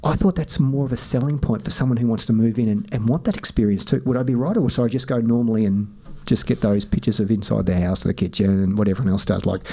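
Mellow low-voiced man in his fifties. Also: quick pace, few pauses. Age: 50s. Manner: animated, interrupts, acts out quotes. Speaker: podcast host. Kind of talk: casual interview chat.

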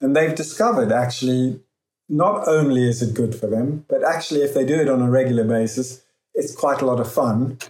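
A man's voice: medium pitch, a little mellow. A man with a faint Zimbabwean accent, a guest in an interview, speaking earnestly and reflectively with some restarts. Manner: earnest, with frequent restarts and pauses. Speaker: guest, founder of a running event. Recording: roomy echo.

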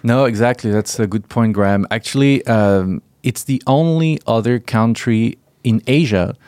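A man's voice: medium pitch, normal speed, darkish tone, dry recording. A man from France, a native French speaker, talking about his tutoring business in an interview with frequent fillers and restarts. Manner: hesitant, many fillers and restarts. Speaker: startup founder, guest. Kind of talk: interview conversation.

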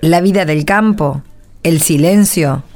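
A woman with an Argentine accent acting a weary, steady rural mother in a radio drama, measured, plain-spoken and firm. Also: low-pitched, faint music behind.

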